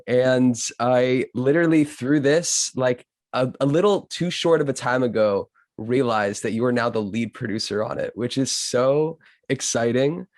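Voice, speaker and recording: A man's voice: medium pitch, no room sound. Casual male podcast host, dry close sound. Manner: gushing, halting, peppered with filler "like". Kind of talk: casual interview chat.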